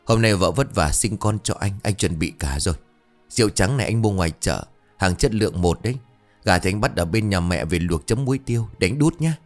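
Over soft music, a deep-voiced man talks a little fast and with animation, voicing a young husband in a ghost story. Raising his voice a bit above its usual level, he portrays a bumbling, panicky character given to blustering when flustered, here sounding sheepish.

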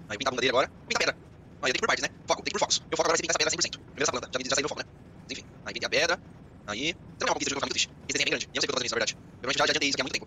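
Excitable Brazilian gamer, bright voice. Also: male voice, mid-range voice, slight background noise. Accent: Brazilian Portuguese. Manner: excitable, joking, swears, talks to himself. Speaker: gaming channel host. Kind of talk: casual let's-play commentary.

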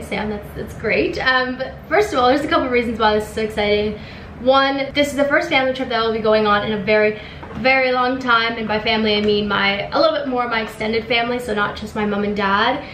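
A woman's voice: fairly high pitch, steady tone, brisk, fairly bright tone, echoey room, a little hiss or hum, poor audio. A young woman from Venezuela chatting casually to camera as a lifestyle vlogger, upbeat with many fillers, in her apartment. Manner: chatty, lots of ums and likes, upbeat. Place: bright apartment room, indoors. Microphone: camera in front at desk.

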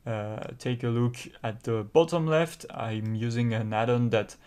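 A man's voice: mid-range voice, fairly even intonation, a little mellow, smooth. French-accented man teaching a tutorial. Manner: explanatory, with frequent "uh" pauses. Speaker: tutorial host. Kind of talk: step-by-step software tutorial.

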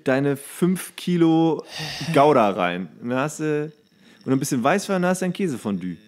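A man's voice: fairly high pitch, big pitch swings, normal speed, a little mellow. A man co-hosting a podcast in casual chat, joking and teasing, laughing at his own jokes. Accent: German. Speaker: podcast co-host.

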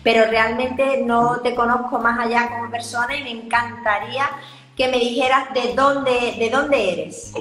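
A woman's voice: on the high side, fairly even intonation, unhurried, fairly bright tone, soft background music. A woman from Spain, hosting a friendly, chatty interview over a video call. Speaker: host, interviewer. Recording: echoey room.

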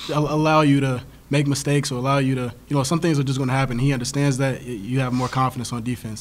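A calm young college player speaks at a press-conference table mic in an even, level tone. He talks modestly, often stopping to restart and repeat words. A faint hum sits in the background. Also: medium pitch. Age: 20s. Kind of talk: post-game press conference. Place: press room before a sponsor backdrop. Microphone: table mic in front of him.

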